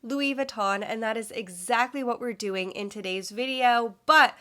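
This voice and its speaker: Female vlog host, somewhat high voice, congested and nasal from a cold, scripted and informative. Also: normal speed, pushed and bright. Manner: polished, informative, friendly. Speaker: luxury fashion vlogger.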